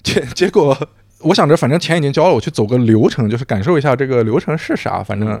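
A man's voice: medium pitch, fast, gravelly, dry recording, studio quality. A man from Xinjiang, China, a podcast guest telling a story in casual chat and acting out quoted dialogue. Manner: animated, acts out quoted dialogue.

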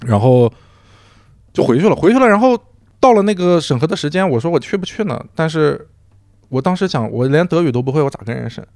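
A man's voice: fairly high pitch, fast, no echo, studio quality. A man from Xinjiang, China, a podcast guest telling a story in casual chat and acting out quoted dialogue. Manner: animated, acts out quoted dialogue.

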